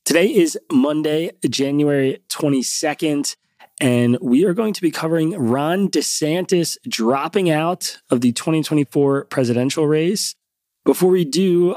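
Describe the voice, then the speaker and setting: A man's voice: mid-range voice, darkish tone, dry recording, clean studio sound. Nasal, congested man hosting news. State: congested from a cold. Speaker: podcast host. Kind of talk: news podcast reading.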